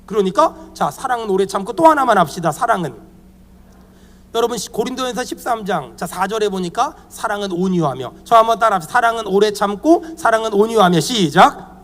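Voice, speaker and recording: Animated pastor in his fifties, echoing hall. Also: high voice, brisk. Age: 50s. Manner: animated, humorous, leads the congregation in repeating phrases. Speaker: guest pastor. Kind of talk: sermon at a church retreat. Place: church meeting hall.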